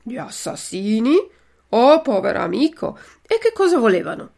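A woman voicing a sly male fox swindler who speaks in a flattering, theatrical way. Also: a little high, moderate pace, creaky, exaggerated voice. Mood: wheedling. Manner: ingratiating, theatrical.

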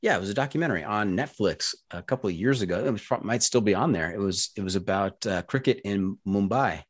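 Calm American man hosting, lowish voice. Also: slightly rough, dry recording, clean studio sound. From United States. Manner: calm, measured, repeats words as he thinks. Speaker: podcast host. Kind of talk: interview questions.

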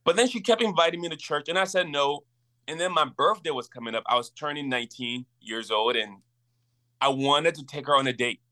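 A man in his twenties from Liberia, a campus minister telling his story as a guest in a casual interview, earnest and animated. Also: a little high, fairly quick. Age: 20s.

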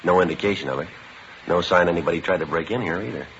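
A man's voice: deep voice, fast talker, fairly bright tone, slight background noise. An actor playing a terse, matter-of-fact police detective who narrates his case in a clipped, businesslike way, in the style of 1950s radio drama. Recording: lo-fi vintage radio broadcast with music.

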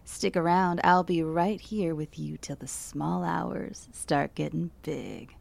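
A woman's voice: low voice, slow, vocal fry, darkish tone, a little hiss or hum, full character voice. An actress playing a female late-night radio DJ with easygoing, breezy patter. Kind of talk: audio drama acting.

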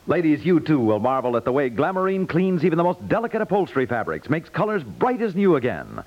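An American man announcing in vintage 1950s radio style. His voice is on the high side, with lively, sweeping intonation and a polished sales delivery. The recording is dull and old. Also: fast talker. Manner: polished, promotional.

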